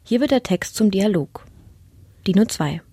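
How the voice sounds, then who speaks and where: A woman's voice: mid-range voice, expressive, unhurried, dark tone, husky, no echo. A woman narrating a humorous rhyming poem with a playful rhythm.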